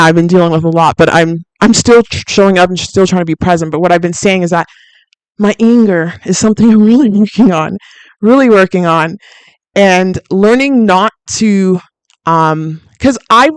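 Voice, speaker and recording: A woman with a deep, soothing voice hosts a fitness livestream in a chatty, candid way, with plenty of fillers and easy laughs. Her tone is smooth and clean, recorded close and dry with no room sound. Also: no room sound, poor audio. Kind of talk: casual livestream chat reading viewer comments.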